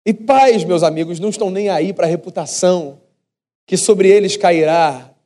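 A Brazilian preacher with a mellow, warm voice that sits a little high for a man. He tells his story in a conversational way and speaks the thoughts of its people as if they were his own. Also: fairly even intonation, normal speed. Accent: Brazilian Portuguese. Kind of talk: sermon.

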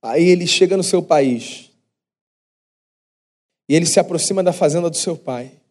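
A man's voice: fairly high pitch, normal speed, a little mellow. A man with a Brazilian Portuguese accent, preaching a sermon in a conversational storytelling way, slipping into the inner voices of the people in his story.

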